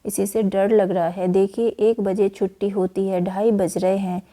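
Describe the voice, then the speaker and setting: A woman's voice: medium pitch, little pitch movement, measured pace, dark tone, natural voice. A woman reading the part of an anxious, pleading mother in a school play. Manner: panicky, pleading. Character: anxious frightened mother, middle-aged woman.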